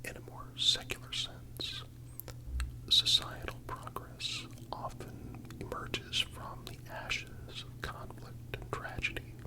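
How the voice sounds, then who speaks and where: Slow, soothing ASMR whisperer. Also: rough recording. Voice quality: soft, breathy unvoiced whisper. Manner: soothing, measured, contemplative. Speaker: ASMR narrator. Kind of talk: whispered ASMR scripted philosophical narration.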